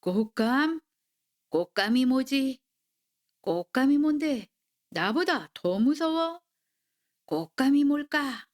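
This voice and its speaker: A woman voicing a hungry, blustering tiger that is easily startled, growling slowly in a bedtime story. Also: high-pitched, lively intonation. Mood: puzzled alarm. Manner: slow storybook growling, roars "eoheung".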